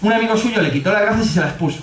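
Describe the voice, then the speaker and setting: A man with a Spanish accent giving a humorous talk in a pub, laughing often and acting out quotes in a high voice. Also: very fast, reverberant, slight background noise. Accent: Spanish from Spain. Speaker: speaker giving a public talk. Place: pub with an audience.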